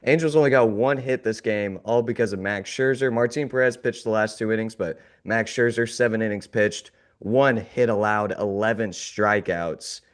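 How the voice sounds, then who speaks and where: On a casual sports podcast, a man with a lowish voice talks at a moderate pace with hardly any pauses, his voice a little off as he recovers from being sick. His mood is glum, but he stays sarcastic and laughs the gloom away.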